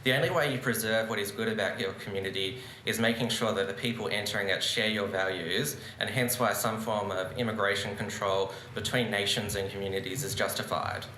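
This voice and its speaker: A man's voice: lowish voice, fairly even intonation, a little fast, hardly any pauses, sharp tone, slight background noise. A young man giving an earnest, argumentative debate speech from a lectern at a conference. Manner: earnest, argumentative, gesturing while speaking. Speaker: debate speaker. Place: large conference room with seated audience. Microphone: lectern microphone on a stand. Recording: roomy conference hall echo.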